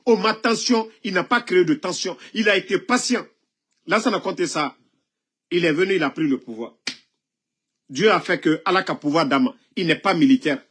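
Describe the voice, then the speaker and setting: Coughing occasionally from a cold, a man scolds and asks pointed rhetorical questions in heated political commentary. His voice is high-pitched, a bit bright, and edged with breathiness.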